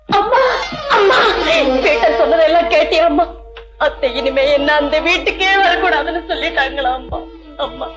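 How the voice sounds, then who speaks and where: An actress voices a heartbroken young wife pleading through tears in a high voice. The sound is dull and muffled, from an old film track with music playing clearly. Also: female voice, natural voice. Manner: pleading, tearful. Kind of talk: 1960s film drama.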